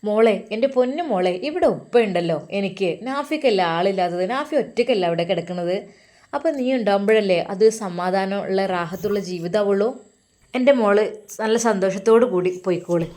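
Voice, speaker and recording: A woman's voice: medium pitch, a little fast, mellow, natural voice. A woman voicing a loving older Muslim mother who fusses over her children and comforts them. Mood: comforting. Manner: doting, coaxing, blessing her children.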